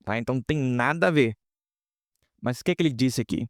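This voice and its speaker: A man's voice: medium pitch, fast, dry recording, clean studio sound. A man teaching English pronunciation in a casual online lesson, explaining step by step and often checking in with students.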